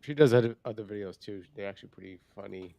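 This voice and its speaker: A male podcast co-host with a fairly low voice in a very dry recording. He talks casually and informally, with swearing mixed in. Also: fast talker, vocal fry, warm tone, dry recording. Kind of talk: casual chat.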